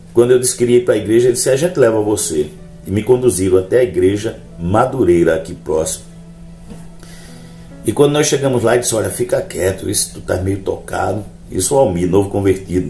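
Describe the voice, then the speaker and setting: A man telling his religious testimony to a congregation in an animated storytelling manner. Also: fairly low pitch, fast. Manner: animated storytelling, acts out dialogue in raised voices. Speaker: testimony speaker. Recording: roomy echo, faint music behind.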